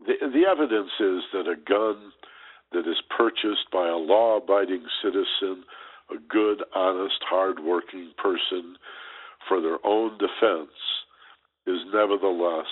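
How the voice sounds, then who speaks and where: A man hosting a talk show, speaking in a reflective monologue with frequent fillers and pauses. He has a cold, so his voice sounds weak, wheezy and congested. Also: low-pitched, slightly rough. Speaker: radio show host. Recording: tinny phone-like radio broadcast.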